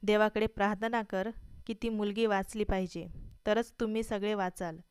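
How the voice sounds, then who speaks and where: A woman voicing a stern, quick-tempered elder brother who gives curt orders in a storybook reading. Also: mid-range voice, steady tone, darkish tone, smooth, dry recording, clean studio sound, natural voice. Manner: curt, commanding.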